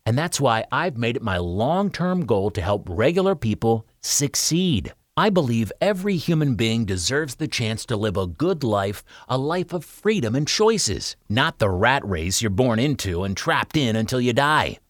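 A man narrates a video sales letter in a persuasive, direct-to-listener style. His mid-pitched voice swings expressively as he leans on key phrases and rhetorical questions. The recording is very dry and close, with no room sound. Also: sing-song, normal speed, few pauses, no room sound. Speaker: voice-over artist for sales videos. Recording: dry close studio voice-over.

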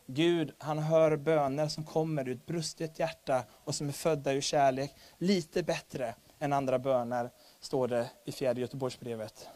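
A man preaching a sermon, animated and humorous, rising to loud emphasis. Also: medium pitch.

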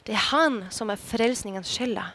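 A woman's voice: fairly high pitch, fairly bright tone. A woman preacher delivering a sermon, telling the story with dramatic rises when she quotes.

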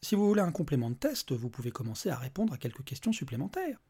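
A smiling male robot official, coldly logical and unmoved, as a male reader puts him on. He answers in an even, detached, bureaucratic tone, his husky voice sitting slightly high. It sounds like a dark storybook reading. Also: fast, full character voice.

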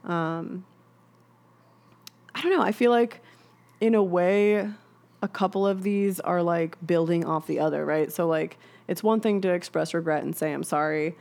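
A woman's voice: lowish voice, measured pace, vocal fry, a little mellow. A young woman hosting a podcast, explaining ideas in a chatty, candid way, laughing often and swearing for emphasis. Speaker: podcast host. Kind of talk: casual explanatory podcast talk.

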